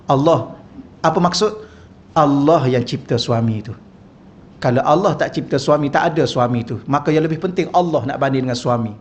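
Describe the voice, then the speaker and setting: A man's voice: mid-range voice, a little fast, lo-fi sound. A man with a Malaysian Malay accent giving a humorous, conversational religious lecture in a mosque hall, often asking the audience questions. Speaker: religious teacher. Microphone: wireless microphone.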